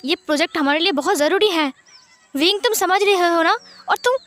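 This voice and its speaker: A woman's voice: very high voice, fairly quick, fairly bright tone, pitched above the performer's own voice. A woman voicing a scolding businessman dad. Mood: upset. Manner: exasperated scolding. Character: angry middle-aged businessman father.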